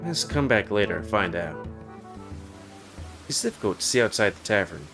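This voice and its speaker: Low-pitched male gamer reading game text aloud with joking asides, game music clearly behind. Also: very animated, normal speed.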